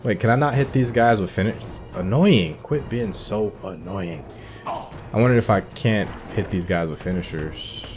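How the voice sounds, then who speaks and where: A man with a low, deep voice talks his viewers through a video game. He speaks casually, as a streamer commenting on his own play. Music plays clearly behind him. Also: moderate pace, a little mellow. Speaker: gaming streamer doing a playthrough.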